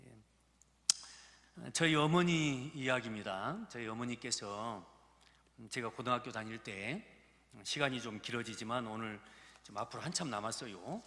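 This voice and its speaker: Speaking a little slowly in a sharp, mid-range voice, a man in his fifties preaches a folksy, humorous sermon to his congregation. He's a pastor from Gurye in South Jeolla, Korea, with a Jeolla accent, recorded in a reverberant church hall.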